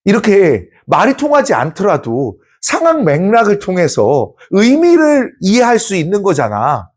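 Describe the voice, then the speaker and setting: A man in his forties teaching social studies, telling a personal anecdote in a chatty, animated way. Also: high-pitched, normal speed, husky.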